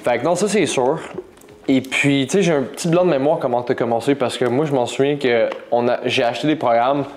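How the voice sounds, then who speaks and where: A man's voice: medium pitch, brisk, darkish tone, a little hiss or hum. A man hosting a casual interview, chatty and dropping in English phrases. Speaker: host.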